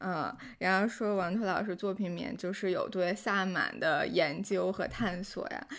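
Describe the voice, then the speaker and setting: A woman's fairly slow speech with vocal fry, fairly even intonation and hardly any pauses. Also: medium pitch for a woman. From Northeast China, Liaoning. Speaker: podcast host. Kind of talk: casual interview.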